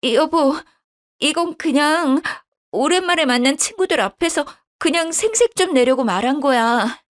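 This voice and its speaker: A woman voicing a scheming young daughter-in-law who begs and stammers in a shrill, whiny voice. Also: animated, a little slow. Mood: pleading.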